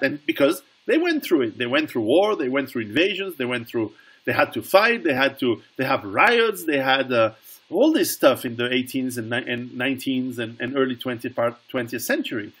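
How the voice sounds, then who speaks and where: A man's voice: mid-range voice, lively intonation, normal speed, fairly bright tone, husky. A middle-aged man speaking as a guest author over a video call, earnest, often restarting and repeating words.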